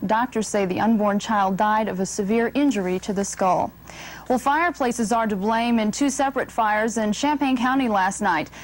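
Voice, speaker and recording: A woman with an American accent reading a scripted local newscast in a measured, formal anchor's delivery. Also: medium pitch. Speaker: TV news anchor. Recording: old TV broadcast with background noise.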